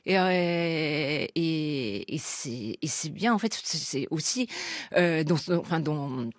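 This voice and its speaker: A Japanese woman in her fifties with a Japanese accent, speaking French as a second language in a radio interview, halting and full of fillers and restarts. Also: deep voice, lively intonation, no echo, clean studio sound. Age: 50s. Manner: hesitant, many fillers and restarts, laughs often. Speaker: guest writer.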